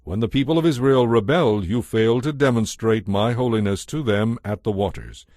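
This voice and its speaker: A man giving a measured, formal narration of scripture from a script. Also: medium pitch, a little mellow, no room sound, studio quality. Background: music.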